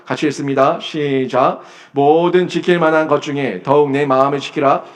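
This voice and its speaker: Emphatic Korean pastor with lively pitch. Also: male voice. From South Korea. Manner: emphatic preaching, rising to loud bursts then dropping low. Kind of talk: sermon. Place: church sanctuary.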